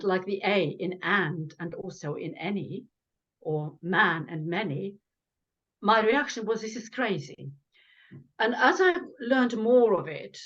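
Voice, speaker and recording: A woman's voice: mid-range voice, muffled recording. Older Lithuanian-born woman explaining earnestly. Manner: earnest and explanatory, wry asides. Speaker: author and guest. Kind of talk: conversational explanation.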